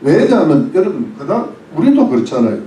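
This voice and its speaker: A man's voice: fairly high pitch, big pitch swings, fairly quick, dark tone, echoey room, far from the mic, a little hiss or hum, poor audio. A man preaching a sermon as pastor, explaining words one by one with English phrases and asking the congregation questions. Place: church.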